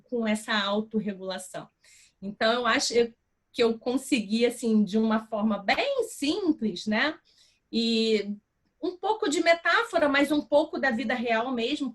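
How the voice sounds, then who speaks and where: Conversational Brazilian woman teaching a class. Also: a little high. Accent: Brazilian Portuguese. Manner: explanatory, conversational, often asks rhetorical questions; frequent tag "né". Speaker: guest lecturer. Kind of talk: online class talk.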